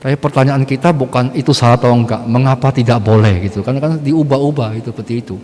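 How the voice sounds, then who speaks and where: A man's voice: medium pitch, fast, warm tone, a little hiss or hum. Male priest, middle-aged, blunt sermon, plain mid voice, long church reverb. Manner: blunt, conversational, rhetorical questions. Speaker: Catholic priest.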